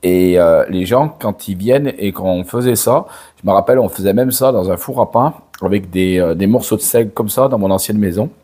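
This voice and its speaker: An older man, hoarse from a cold, chatting slowly to camera with many hesitations and restarts. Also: on the low side, dark tone. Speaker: father and channel host. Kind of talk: casual direct-to-camera chat.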